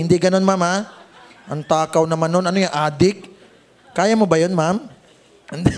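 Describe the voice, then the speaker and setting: A high-pitched man from the Philippines pitching a business plan to a seminar crowd. He jokes and teases the audience, often checking that they follow. His lively voice carries across a meeting room. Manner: joking, teasing the audience, asks "Tama?" often. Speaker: networking seminar presenter.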